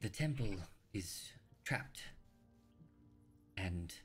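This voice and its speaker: Man putting on a slow raspy dying spirit. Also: lowish voice, expressive, faint music behind. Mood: regretful, grave. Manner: slow, halting, broken delivery. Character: dying scholar's regretful spirit voice speaking from a bone.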